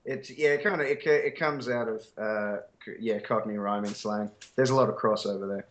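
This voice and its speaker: Broad Australian man, relaxed co-host, dry wit, reverberant room. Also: fairly low pitch, moderate pace. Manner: laid-back, explains slang with dry humor. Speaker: podcast co-host. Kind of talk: casual chat.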